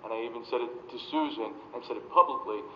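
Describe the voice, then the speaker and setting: A male board member speaks up quickly and emphatically, earnestly backing a resident. The words tumble out fast, and the hall adds a roomy, long echo with muffled, faintly noisy sound. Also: medium pitch. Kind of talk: meeting remarks. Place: town hall meeting room.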